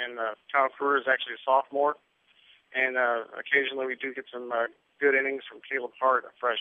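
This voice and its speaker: A man is speaking. His accent is American. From southern Indiana (Floyd County). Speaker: high school baseball coach. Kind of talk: radio interview. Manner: halting, many fillers.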